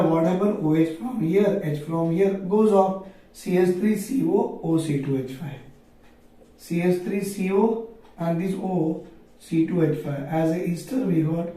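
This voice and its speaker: A man's voice: sits high, mellow. A man with a South Asian accent giving a classroom chemistry lecture, asking questions and answering them himself, repeating phrases for emphasis. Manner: repeats phrases for emphasis, addresses students affectionately. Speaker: chemistry teacher. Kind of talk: classroom lecture for a video lesson. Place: echoey room, recorded away from the microphone. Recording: very echoey room, distant microphone.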